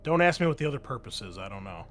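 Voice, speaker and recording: A man's voice: mid-range voice, sing-song, very fast, fairly bright tone, faint music behind. A man acting as game master, explaining rules to players in a casual, conversational way. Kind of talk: casual tabletop game refereeing.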